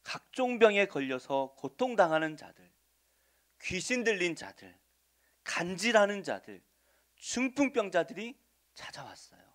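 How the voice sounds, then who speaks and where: Brief: male pastor preaching in a church, slightly raised pitch, keeps asking the pews questions, dynamic shifts from loud to quiet. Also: sing-song, measured pace. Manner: asks the congregation questions and answers them; swings between loud stresses and soft asides. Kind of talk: Sunday sermon. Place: church sanctuary.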